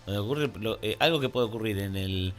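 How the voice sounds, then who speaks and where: A man's voice: lowish voice, brisk, fairly bright tone, faint music behind. An Argentine man hosting a radio talk, commenting in a reflective, discursive way and checking for agreement with short tag questions. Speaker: radio show host.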